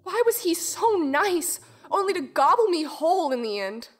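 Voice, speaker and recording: A woman playing a young, bitter Little Red Riding Hood survivor in an audio drama, telling her ordeal with deliberate, intense emotion. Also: very high voice, sing-song. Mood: angry, anguished. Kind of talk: dramatic first-person audio drama monologue.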